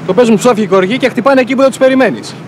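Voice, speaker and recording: A man's voice: very high voice, a little hiss or hum. An actor playing a cocky, teasing young man in a TV sitcom, outdoors. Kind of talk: TV sitcom acting.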